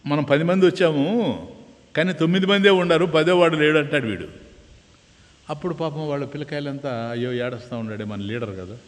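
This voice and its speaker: Man giving a sermon in a reverberant hall. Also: fairly quick. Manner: acts out the story's voices with lively pitch swings. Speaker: swami giving a discourse. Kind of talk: storytelling sermon.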